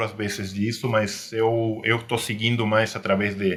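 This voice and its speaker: A man with an Argentine accent talks at a moderate pace over noticeable background noise. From Argentina. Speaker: business executive. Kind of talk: podcast interview. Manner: hesitant, many fillers and repetitions.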